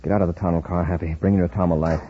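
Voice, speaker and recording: A man's voice: sits low, little pitch movement, noisy background, natural voice. A man playing a bold, commanding space patrol commander in a 1950s radio drama, on a dull old transcription. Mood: steady. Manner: commanding, brisk.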